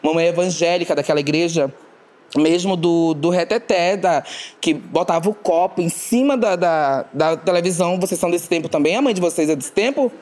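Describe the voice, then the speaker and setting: Animated comedian telling stories. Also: male voice, fairly high pitch, normal speed. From Amazonas, Brazil. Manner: animated, laughing often, many tag questions. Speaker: stand-up comedian, guest. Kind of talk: comic storytelling.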